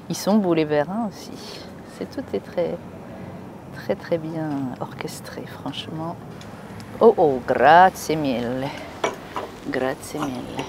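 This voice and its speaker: A woman's voice: deep voice, slow pace, pauses often, a little hiss or hum. Chatty middle-aged mother. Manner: chatty, lively and impressed. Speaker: vlogger's mother. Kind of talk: casual chat.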